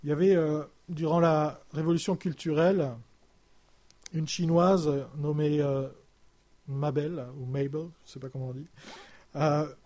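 A man preaching a sermon in French, telling a story with many pauses and restarts, his voice sinking quiet at the ends of phrases. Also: flat delivery. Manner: halting, with many restarts and fillers, voice dropping low and soft at phrase ends.

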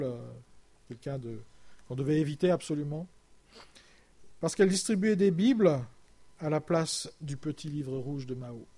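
This is a preacher whose voice runs slightly above the usual male range, delivering a sermon in story form. His delivery is hesitant, full of restarted words and filler pauses. Many sentences trail off into a low, soft finish.

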